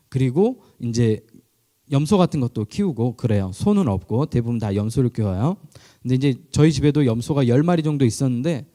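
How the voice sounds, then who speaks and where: Korean pastor telling a story, lively pitch. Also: male voice. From South Korea. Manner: conversational storytelling with questions to listeners. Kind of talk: sermon. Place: church, online youth service.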